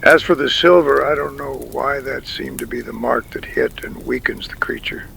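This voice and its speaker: A man playing a wise, solemn Native tribal chief in a frontier audio drama, speaking gravely with a breathy, gravelly voice that often drops to a whisper. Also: mid-range voice, steady tone, bright, forceful tone, slight background noise, rough recording. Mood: grave, mystical. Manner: slow, measured, grave pronouncements.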